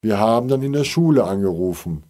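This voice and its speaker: A man's voice: medium pitch, lively intonation, measured pace, mellow, pitched above the performer's own voice. A man doing a worried, desperate neighbour man. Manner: anxious, pleading. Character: despairing, worried father and neighbour.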